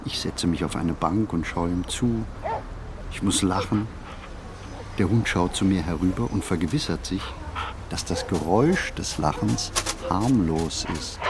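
In a radio play, a deep-voiced man plays a pensive city wanderer musing on modern life, delivering a scripted literary monologue in reflective first-person narration. His phrasing is deliberate and measured, with pauses, and there is background noise.

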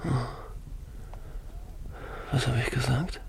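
An actor playing a feverish, weary father in a radio drama, speaking tersely in a low-key murmur. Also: slow, vocal fry, slightly rough, heavily acted. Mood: weak, murmuring. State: sick with fever, weak. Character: feverish, weary father in a snowbound log cabin. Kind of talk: naturalistic radio drama acting.

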